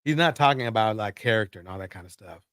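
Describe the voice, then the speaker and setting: A man's voice: fairly low pitch, lively intonation, fast talker, a bit bright, clean tone, dry recording, studio quality. A man hosting a reaction show, commenting casually and repeating himself for emphasis, often with a chuckle.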